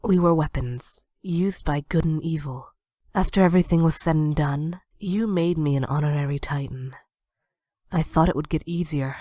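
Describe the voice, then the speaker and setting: A woman's voice: sits low, moderate pace, mellow, no echo, clean studio sound. A woman playing a cynical, world-weary young former villain turned hero, wry and cool, in an amateur audio drama. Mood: wistful, jaded.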